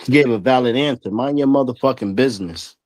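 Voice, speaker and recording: A man bantering loudly and bluntly on a talk show. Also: mid-range voice, fast talker, dry recording. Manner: blunt, joking, loud. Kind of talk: casual banter.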